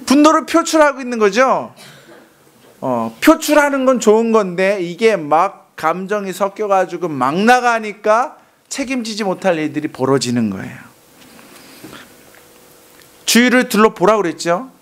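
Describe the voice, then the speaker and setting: A man preaching a sermon in a high, light voice. He is animated and lively, asks the congregation to repeat his words, and acts out the angry outbursts he warns against. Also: normal speed. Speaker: pastor.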